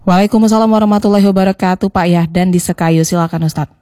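A woman hosting a radio call-in show, brisk and courteous as she directs callers. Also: lowish voice, steady tone, mellow, no room sound. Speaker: radio host.

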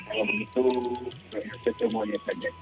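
A male caller to a radio request show, heard over a phone line that keeps fading and cutting out, giving short, halting replies. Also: fairly low pitch, steady tone, over loud music. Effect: breaking-up, fading phone line.

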